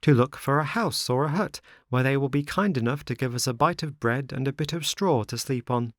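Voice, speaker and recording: Man voicing an earnest, high-pitched boy marionette. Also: fairly quick, no echo, studio quality, lightly acted. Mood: tender. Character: earnest, grateful little boy marionette, scolding when wronged.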